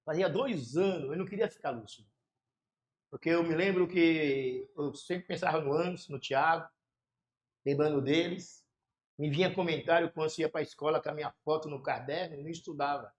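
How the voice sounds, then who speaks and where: A man, a pastor telling his conversion story with fervor, in pauses and restarts. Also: a little high. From São Paulo area, Brazil. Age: 60s. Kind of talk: emotional conversion testimony in a casual chat. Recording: echoey room.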